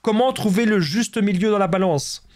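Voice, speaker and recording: A man's voice: sits high, normal speed, darkish tone. A man with a Belgian French accent, a relationship coach speaking straight to his viewers in an emphatic, repetitive way and calling them friends. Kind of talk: direct-to-camera advice monologue.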